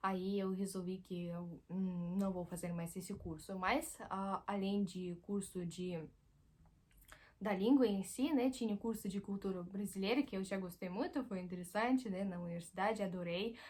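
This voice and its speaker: Somewhat breathy, a woman with a Russian accent speaks at a moderate pace. Her pitch is medium, with ordinary pitch variation. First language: Russian (speaking Portuguese). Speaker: YouTuber. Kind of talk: casual vlog. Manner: halting, many fillers.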